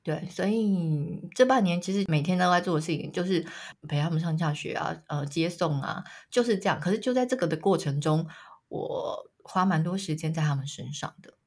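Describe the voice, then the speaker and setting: A woman's voice: lowish voice, a little fast, darkish tone, slightly rough. A woman in her thirties from Taiwan, co-hosting a casual podcast chat, telling stories and laughing often. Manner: chatty storyteller, laughs often. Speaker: podcast co-host.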